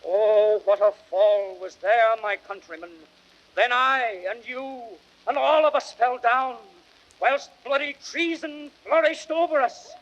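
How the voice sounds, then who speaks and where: An actor playing a grieving Roman orator rousing a crowd in impassioned theatrical Shakespearean declamation. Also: male voice, very high-pitched, lo-fi sound, exaggerated voice. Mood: mournful, pleading. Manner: impassioned, drawn-out, swelling from hushed to shouted.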